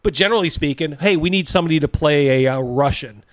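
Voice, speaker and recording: A man with a fairly high voice hosts a casual livestream reaction. He talks bluntly and mockingly, swears freely and breaks off to read viewer comments. The sound is close and dry, without room echo. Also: fast. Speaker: host of a livestream reacting to a video.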